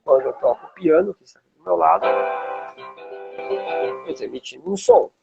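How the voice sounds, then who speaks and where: A Brazilian man with a husky, gravelly voice, teaching informally and checking in with rhetorical questions, as a music teacher would. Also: medium pitch, big pitch swings, brisk, highs cut off. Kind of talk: informal explanatory talk with demonstrations.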